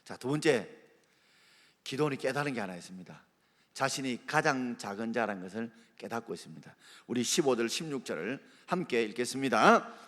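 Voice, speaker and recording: A man preaching a sermon as pastor, quoting scripture and asking the congregation questions in an animated way. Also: medium pitch, a little fast. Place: church sanctuary. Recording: long church reverb.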